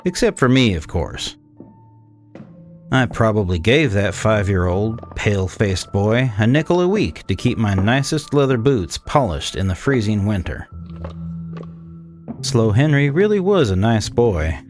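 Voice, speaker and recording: A man playing a cynical, disdainful 1800s swindler, narrating a gothic horror tale in a measured, condescending way. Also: fairly low pitch, sing-song, soft background music. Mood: grim, detached. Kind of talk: scripted dramatic horror narration.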